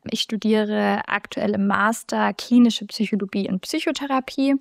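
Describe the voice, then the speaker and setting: A twenty-three-year-old woman talks thoughtfully and earnestly about her studies. Her voice carries a noticeable gravelly fry. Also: mid-range voice, normal speed. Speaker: interviewee, psychology student. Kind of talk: casual interview talk.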